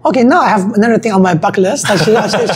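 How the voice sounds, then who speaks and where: A man's voice: sits high, very fast, a crowd in the background. A man with a Chinese accent and Chinese as his native language, hosting a casual, chatty interview. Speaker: interviewer, host.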